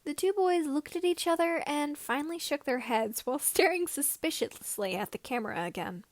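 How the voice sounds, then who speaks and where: A woman narrating amateur fan fiction aloud, with slightly halting phrasing. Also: high-pitched, no echo. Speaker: podfic reader.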